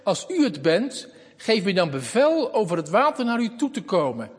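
A man's voice: high-pitched, wildly swooping pitch, moderate pace, breathy edge, in a large hall, heavily acted. A male pastor voicing the apostle Peter, a bold but frightened fisherman, in a scripture reading. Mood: pleading.

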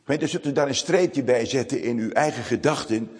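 A man preaching a sermon to his congregation, slow and solemn, with dramatic pauses. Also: mid-range voice. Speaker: pastor. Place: church. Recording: long reverb of a church hall.

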